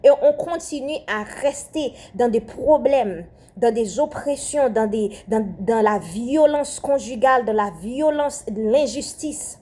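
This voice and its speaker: A woman's voice: fairly high pitch, takes it slowly, darkish tone. A young Haitian-born woman with a French accent giving a fervent spoken prayer message, repeating phrases and often restarting her sentences. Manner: fervent, repetitive, with hesitations and restarts.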